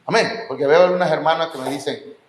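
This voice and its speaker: High-voiced Mexican man preaching. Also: fast talker, a little hiss or hum. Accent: Mexican Spanish. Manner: preaches with rising emphasis and jokes. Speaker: pastor. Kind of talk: sermon. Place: church hall. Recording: echoey church hall.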